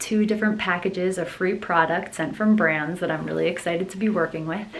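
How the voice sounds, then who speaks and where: A woman whispers at a fairly quick pace, with audible room echo and noticeable background noise. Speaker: lifestyle vlogger and influencer. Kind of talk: vlog talk to camera. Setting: bathroom at home. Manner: whispering.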